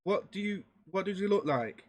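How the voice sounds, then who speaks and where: A man's voice: sits high, animated, moderate pace. A man playing a tabletop game as a player, talking casually with some stammering. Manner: hesitant, stammering.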